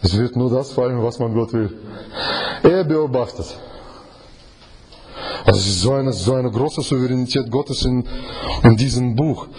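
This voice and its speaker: A man's voice: mid-range voice, measured pace, long pauses, noisy background. A man preaching in conversational, non-native German, quizzing his listeners and acting out the scenes he explains. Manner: animated, quizzes the audience, acts out scenes. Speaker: Bible teacher. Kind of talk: conversational Bible study sermon.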